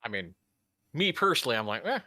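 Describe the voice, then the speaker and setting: A man's voice: mid-range voice, big pitch swings, quick pace, bright, forceful tone. A man in casual podcast chat, joking wryly at his own expense.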